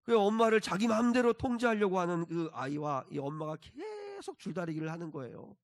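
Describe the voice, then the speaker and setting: A middle-aged man preaching a sermon as a pastor, building to emphatic peaks and slowing to repeat key phrases. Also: high voice, very animated.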